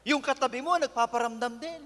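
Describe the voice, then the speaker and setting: A Filipino-accented pastor preaching with lively energy, his voice high for a man. He talks straight to the crowd, and his voice rings with long reverb through a big hall at a live event. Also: a little fast. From Philippines. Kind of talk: sermon at a youth conference.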